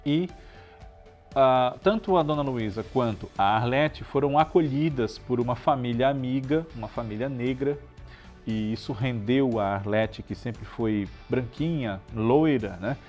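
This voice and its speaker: A man's voice: medium pitch, unhurried, a little mellow. Brazilian man hosting, with music behind. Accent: Brazilian Portuguese. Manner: chatty, frequent tag questions seeking agreement. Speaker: show host. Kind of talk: conversational tribute presentation to viewers.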